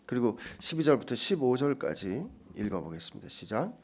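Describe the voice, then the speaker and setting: A male pastor preaching an expository sermon. His pitch moves up and down with animation. He pushes key points loudly and then drops to hushed, almost whispered lines. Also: big pitch swings, brisk, slight background noise.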